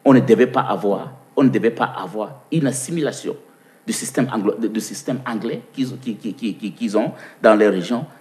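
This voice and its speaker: A Cameroonian man with an English-speaking Cameroonian accent answers interview questions at length, his voice on the low side, a little mellow, at normal speed. He often repeats words as he searches and asks himself questions before answering.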